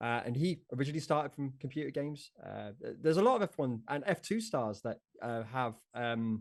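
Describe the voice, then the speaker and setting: Against a quiet background, a man with a British accent speaks at a fairly quick pace and a medium pitch. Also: lively intonation. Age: 30s. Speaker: soldier and sim racing enthusiast. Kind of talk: casual chat.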